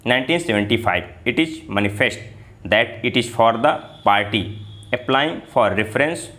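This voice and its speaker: A man reads aloud as a dictation reader for shorthand learners. His voice sits at a middle pitch. He delivers formal legal prose in measured, separated phrases, dictating it for someone to write down. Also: lively intonation, a bit bright.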